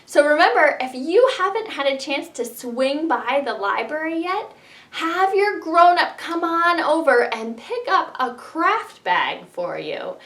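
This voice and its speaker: A woman with a high, very lively voice leads a fairy tale opening for children's storytime. She speaks slowly and addresses the kids directly, like a librarian hosting them. The sound is roomy and echoey. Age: adult, parent of young kids.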